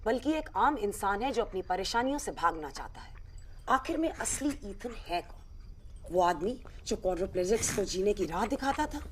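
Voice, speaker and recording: A woman's voice: mid-range voice, slight background noise, close to an everyday voice. A woman playing a probing TV news reporter. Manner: dramatic, probing questions. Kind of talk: scripted news narration.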